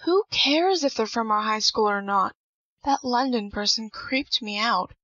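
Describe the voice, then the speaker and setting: A woman's voice: fairly high pitch, lively intonation, a little slow, sharp tone, no echo, exaggerated voice. A woman playing a bored, suspicious twenty-four-year-old in an audio drama, recorded dry and a little dull. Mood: dismissive. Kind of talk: hobby audio drama acting. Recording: dry, slightly dull sound.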